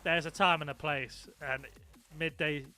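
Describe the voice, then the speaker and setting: A man's voice: fairly high pitch, fairly even intonation, a little slow, sharp tone, soft background music. A young man chatting casually on a live stream, swearing freely and reacting to his viewers. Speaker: gaming streamer.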